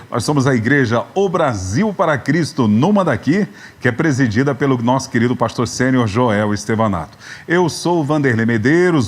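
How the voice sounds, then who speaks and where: A man in his fifties with a São Paulo accent, a pastor hosting a live church webcast and drawing out his greetings. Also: medium pitch. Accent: Brazilian Portuguese, São Paulo. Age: 50s. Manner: warm greetings, stretched out and raised. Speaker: pastor and program host. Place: church building.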